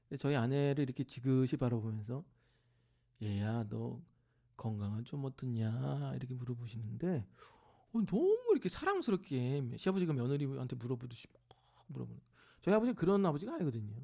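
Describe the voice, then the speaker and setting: In a church sanctuary, a middle-aged pastor with a mid-range voice and vocal fry tells a personal family story as part of his sermon. He acts out his family members' voices in lively bursts and drops to a near-whisper at the tender moments.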